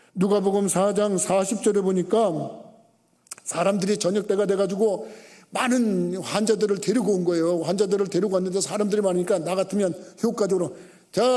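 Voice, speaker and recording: Quick-paced and high-pitched, a man talks with monotone, flat intonation. Audible room echo surrounds his voice. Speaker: pastor. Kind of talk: sermon. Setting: church. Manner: fast.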